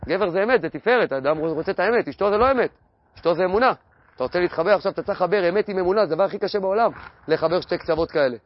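Man with a high voice for a Torah lesson, asks and answers his own questions, muffled dry sound. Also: dry recording. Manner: poses questions and answers them himself; repeats key phrases in a steady teaching cadence. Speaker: religious teacher.

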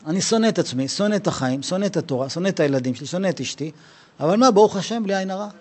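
A man's voice: high voice, expressive, darkish tone. A man giving a Passover Torah lesson in a conversational, slangy way, acting out both sides of imagined conversations. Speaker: Torah teacher. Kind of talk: Passover lesson with acted dialogue.

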